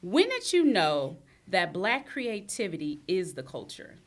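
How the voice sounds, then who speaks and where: A woman's voice: lowish voice, wildly swooping pitch, measured pace. A woman hosting a podcast, introducing her guest in a playful, hype-giving way. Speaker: podcast host. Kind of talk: casual podcast interview.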